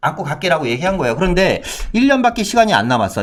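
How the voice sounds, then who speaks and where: Music plays in the background as a man speaks in a high voice. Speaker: real estate investment commentator. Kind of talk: live-stream commentary with viewer questions. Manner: fast.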